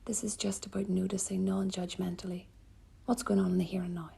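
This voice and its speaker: Female yoga teacher, guided meditation, husky breathy voice, medium pitch, soothing, gentle pauses. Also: little pitch movement.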